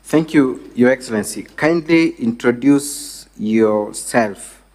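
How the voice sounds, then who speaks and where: A man with a Kenyan accent questioning a witness as counsel, formal, courteous and deliberate, phrase by phrase. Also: mid-range voice, a little mellow. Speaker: defence lawyer questioning a witness. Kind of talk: formal legal examination.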